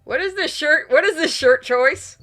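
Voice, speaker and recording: A woman's voice: high-pitched, normal speed, sharp tone, soft background music, voice pushed up. A woman voicing a nosy, exasperated young heroine in a visual novel game, with an incredulous, teasing manner.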